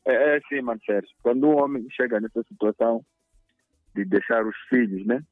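A man's voice: medium pitch, fairly quick, no echo, narrow, tinny audio, soft background music. A man chatting on a radio show, upbeat and laughing easily, with hesitant restarts. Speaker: radio guest. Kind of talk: casual radio chat.

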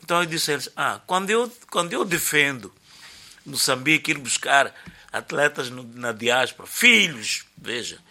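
A man's voice: medium pitch, normal speed. An older man, commenting on football in a radio debate, telling stories and searching for words. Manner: animated storyteller, searching for words. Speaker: sports commentator.

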